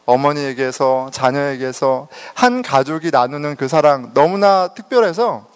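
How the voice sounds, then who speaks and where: A man's voice: on the high side, a little slow, clear, resonant tone. A middle-aged man from South Korea telling a personal testimony, laughing often as he talks. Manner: animated storytelling, laughing often. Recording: long hall reverb.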